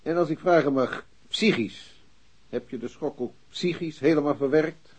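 An actor playing a senior police chief in a radio drama, formal, hesitant and patronizing. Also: male voice, on the high side, moderate pace, slight background noise, natural voice. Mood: probing concern. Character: senior police chief, awkwardly breaking bad news to subordinate.

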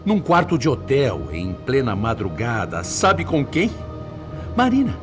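A man's voice: medium pitch, wildly swooping pitch, a little slow, music in the background. A Brazilian actor playing an indignant, wounded older father in a radio drama, speaking in an emphatic, theatrical, impassioned way. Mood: scandalized, bitter.

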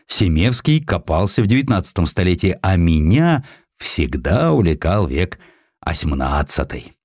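A man reading a literary history audiobook in an expressive, theatrical storytelling manner, acting out the dialogue as he goes. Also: low-pitched, no room sound, studio quality. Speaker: audiobook narrator. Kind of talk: expressive scripted literary narration.

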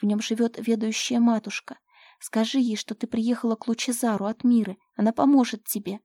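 A woman's voice: a little high, fairly even intonation, fairly quick, dark tone, dry recording. A woman voicing a young mother, indignant at first, then weak and whispering tenderly.

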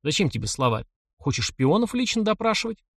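A man's voice: on the high side, big pitch swings, brisk, a bit bright, slightly rough, no room sound, clean studio sound, voice pushed up, full character voice. A man voicing a sly, probing middle-aged army major who speaks with a mildly mocking edge.

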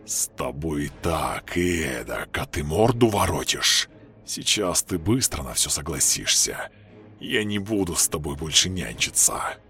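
A man voicing a mocking, scheming parasite voice that lives in a young man's head, speaking low and coarse. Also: big pitch swings, a little slow, pushed and bright, faint music behind, full character voice. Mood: menacing.

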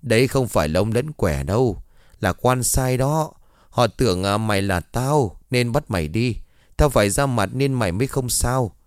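Young man's ghost, frightened, resigned, lively pitch, read by a male storyteller. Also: moderate pace, no room sound, clean studio sound, lightly acted. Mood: grave.

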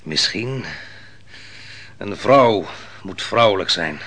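A proud, boastful army commander. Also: male voice, on the low side, expressive, takes it slowly, fairly bright tone, heavily acted. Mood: proud, piqued. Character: proud, boastful male army commander, rough and easily slighted. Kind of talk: Dutch radio play acting.

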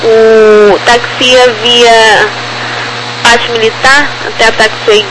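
A woman's voice: a little high, level tone, slow. A woman with a Brazilian accent working as an air traffic controller, giving clipped procedural instructions over a crackly radio. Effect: crackly aviation radio. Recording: noisy radio transmission with hum.

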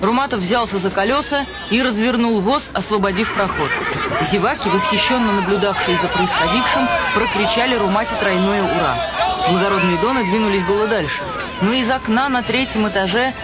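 A man's voice: sits high, a little fast, over a noisy crowd, heavy background noise. A man narrating a radio play in an ironic storytelling manner. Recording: radio play with loud music.

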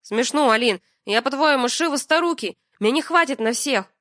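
A woman's voice: a little high, brisk, fairly bright tone, no echo, studio quality, natural voice. A woman voicing a smug, sneering man, a soon-to-be ex-husband, in an audiobook. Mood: pushy.

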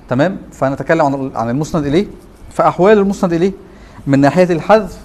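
A teacher with an Egyptian Arabic accent delivers a classroom lecture in a medium-pitched, slightly mellow voice. He keeps posing rhetorical questions to prompt his students.

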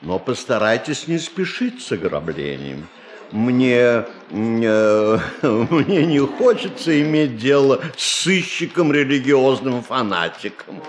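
A man acting in a radio play as a courteous, gently ironic banker, speaking in a polite, hesitant and deliberate way. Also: mid-range voice, sing-song. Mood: wryly amused.

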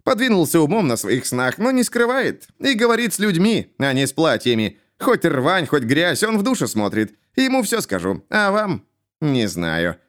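A man voicing a mad, erratic jester from a storybook who hisses and breaks into shouts. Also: fairly high pitch, very animated, moderate pace, pitched above the performer's own voice. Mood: mocking. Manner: jumpy, hissing, bursts into shouts.

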